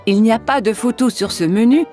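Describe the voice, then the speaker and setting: A woman narrating a scripted children's cartoon story in an expressive storytelling manner. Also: fairly high pitch, a little fast, soft background music, close to an everyday voice.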